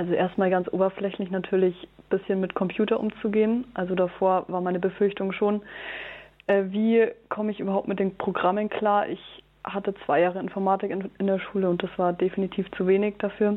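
Fairly quick, monotone, flat delivery from a woman at a medium pitch. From Upper Bavaria, Germany (Bad Tölz-Wolfratshausen district). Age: young. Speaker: radio intern. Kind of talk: interview.

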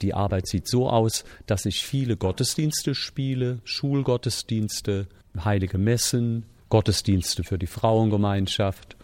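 The recording is very clean, with a silent background. A man speaks at a fairly slow pace in a dark, mellow tone with ordinary pitch variation. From Zell an der Mosel, Rhineland-Palatinate, Germany. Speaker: church organist. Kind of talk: interview and demonstration for children. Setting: church.

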